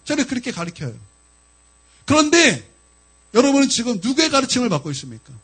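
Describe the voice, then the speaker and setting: A man with a notably high, lively voice preaches with strong emphasis, calling out to his congregation again and again. His pitch rises and falls a lot as he presses his points. A faint mains hum sits under the recording. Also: a little fast, breathy edge. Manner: emphatic preaching, often addressing the congregation directly. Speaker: pastor. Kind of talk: sermon.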